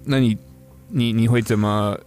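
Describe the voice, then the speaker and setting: A man's voice: fairly low pitch, steady tone, moderate pace, darkish tone. A man co-hosting a casual chat, joking lightly, with hesitant phrasing and repeated little confirmations. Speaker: podcast co-host. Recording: guitar music behind the voice.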